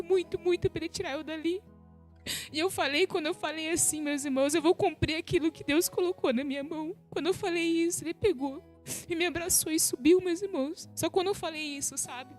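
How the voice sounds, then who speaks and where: High-pitched woman telling her testimony on a live stream, emotional, keeps saying you know my brothers, faint music behind. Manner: emotional retelling, repeats "sabe, meus irmãos". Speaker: guest giving a religious testimony.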